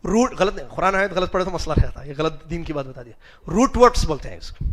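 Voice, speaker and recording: A man teaching a class on religious history, often questioning his students, slowly spelling out Arabic root letters and mixing English words into his talk. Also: fairly high pitch, lively intonation. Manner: chuckles and jokes with students. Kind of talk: classroom lecture.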